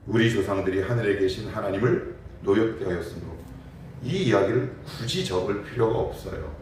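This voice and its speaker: A man's voice: mid-range voice, a little mellow. A man preaching a morning prayer sermon as pastor, explaining with rhetorical questions and acting out everyday dialogue. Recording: very echoey, mic far off.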